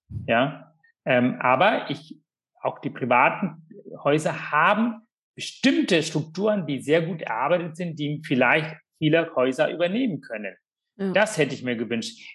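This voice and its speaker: With a fairly high pitch, a man speaks at a fairly slow pace. His intonation is lively. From Sri Lanka, moved to Germany as a child. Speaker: heart surgeon and book author. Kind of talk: interview. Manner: hesitant, many fillers.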